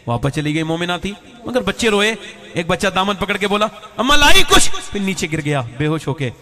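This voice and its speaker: Impassioned middle-aged preacher, echoing hall. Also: male voice, brisk, a bit bright. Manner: impassioned storytelling, rising to high cries. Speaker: Islamic preacher. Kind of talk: emotional religious sermon. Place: religious gathering with listeners. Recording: long hall reverb.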